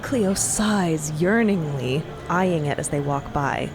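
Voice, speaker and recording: A woman narrating a fantasy audio drama in an expressive, descriptive storytelling style. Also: low-pitched, takes it slowly, music in the background.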